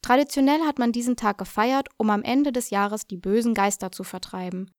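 A woman presenting a language lesson, explaining in a clear, measured, scripted way. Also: fairly high pitch, no room sound, studio quality.

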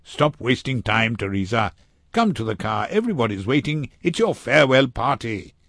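A man's voice: mid-range voice, big pitch swings, normal speed, vocal fry, a bit bright, dry recording, clean studio sound, voice pushed up, exaggerated voice. A man voicing an irritable, cynical man in a storybook, curt and impatient in his delivery.

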